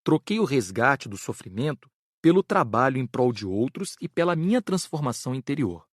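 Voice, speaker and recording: A man with a Brazilian accent playing an earnest spirit doctor who lectures on an audiobook, measured, didactic and carefully enunciated. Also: mid-range voice, big pitch swings, no echo, studio quality. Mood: reflective, earnest. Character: Frederico, earnest spirit doctor teaching karma.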